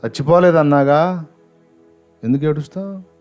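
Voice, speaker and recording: A preacher playing a commanding old stranger. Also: male voice, a little high, moderate pace, a little mellow, faint music behind, close to an everyday voice. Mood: firm. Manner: firm, reassuring. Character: tall elderly stranger, calm and commanding.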